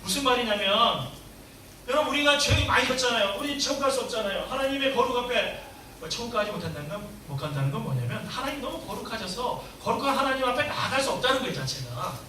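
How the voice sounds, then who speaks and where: A man with a high, piercingly bright voice preaches emphatically, asking his congregation one question after another. He sounds set back from the mic in a very echoey church hall, with a faint hiss underneath. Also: animated, quick pace, distant mic. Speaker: pastor. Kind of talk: sermon.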